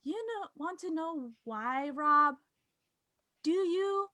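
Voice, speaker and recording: Woman playing a slow, haughty royal prince wrestler. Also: extremely high pitch, lively intonation, sharp tone, no room sound, studio quality, exaggerated voice. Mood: haughty disdain. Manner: pompous, measured trash talk. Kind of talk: staged reading of wrestling promo.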